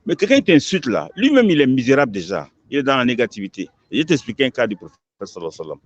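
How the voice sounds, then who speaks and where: Emphatic male imam, lively rising and falling delivery, dull lo-fi recording. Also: mid-range voice, racing, no room sound. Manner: emphatic, animated, repeats words as he builds a point. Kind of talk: interview answer, preaching.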